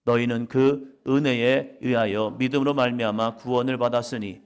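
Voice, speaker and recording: A middle-aged man preaching a sermon at a church worship service, alternating loud emphatic declarations with hushed whispers and acting out quoted prayers. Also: medium pitch, steady tone, moderate pace, clean tone. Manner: acts out quoted prayers and voices of others. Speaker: pastor.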